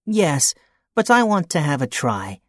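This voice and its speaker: A man playing a young man looking for a part-time job, talking in a plain, steady, matter-of-fact way in a scripted dialogue. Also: a little high, measured pace, dry recording, studio quality. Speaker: student character in a listening test.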